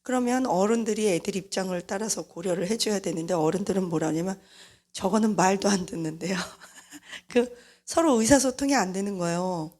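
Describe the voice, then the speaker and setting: A middle-aged woman preacher giving a lively sermon-style talk about parents and children, acting out family voices along the way. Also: medium pitch, normal speed. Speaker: mission leader and preacher.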